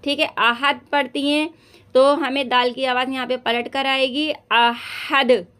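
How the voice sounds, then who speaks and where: A young woman with an Urdu-speaking South Asian accent teaches recitation to other women, patient and unhurried, pausing to check they follow. Her voice sits high and bright, smooth and clear. She draws sounds out slowly to model them. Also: fairly even intonation. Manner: patient, repeats "theek hai" often, recites verses slowly and stretched. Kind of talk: online recitation lesson.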